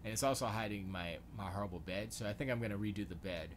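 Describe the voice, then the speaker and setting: A man's voice: lowish voice, fast, slight background noise. A man from Florida hosting a casual livestream, thinking aloud as he tinkers in his home studio, muttering questions to himself and trailing off mid-sentence. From Florida, USA. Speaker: livestream host.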